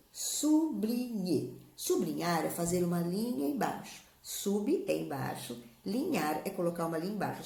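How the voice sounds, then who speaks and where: A woman's voice: on the low side, vocal fry, mellow. A woman teacher patiently explaining a schoolbook exercise step by step for pupils learning at home. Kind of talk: remote classroom lesson. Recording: echoey room with faint noise.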